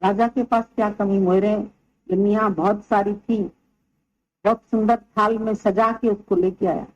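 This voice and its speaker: A woman spiritual teacher telling a story at a devotional gathering, in an unhurried, folksy way with quoted dialogue. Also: mid-range voice, steady tone, lo-fi sound, faint music behind. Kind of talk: storytelling discourse at a satsang.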